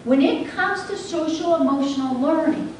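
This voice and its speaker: A woman facilitator speaks to a seated group in a large training room, heard from the back of the room, her voice fairly high. The room is very echoey and she sounds far from the mic, with a faint hiss underneath. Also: normal speed, darkish tone. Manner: engaging, asks the audience questions. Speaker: workshop facilitator. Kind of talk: teacher training presentation. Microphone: room recording from the back.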